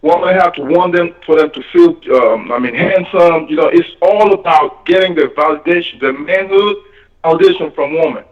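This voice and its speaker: A man's voice: fairly high pitch, normal speed. A male caller from Colorado, lecturing on his views and repeating his points. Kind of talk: call-in opinion. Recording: distant echoey muffled phone call.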